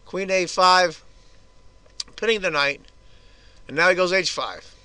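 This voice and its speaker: Hoarse man commenting on chess. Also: high voice, measured pace, pushed and bright, no room sound. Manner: casual, chatty move-by-move analysis. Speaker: chess video host.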